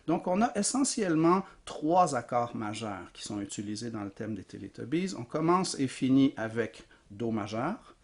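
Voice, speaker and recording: A man giving a recorded music theory lecture, explaining patiently with frequent fillers. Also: medium pitch. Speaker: music teacher.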